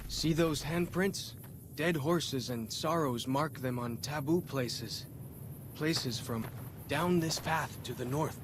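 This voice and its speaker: A man's voice: fairly high pitch, slow pace, noisy background. A man playing a friendly young tribal scout guide in a video game, easygoing and folksy with clipped phrasing. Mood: relaxed, wry. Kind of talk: video game character dialogue.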